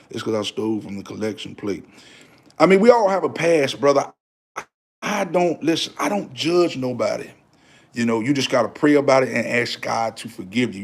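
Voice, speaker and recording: A man in his thirties chatting on a livestream, preaching about faith and talking straight to viewers, repeating himself and calling them brother. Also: on the low side. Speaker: livestream host. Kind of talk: casual livestream chat.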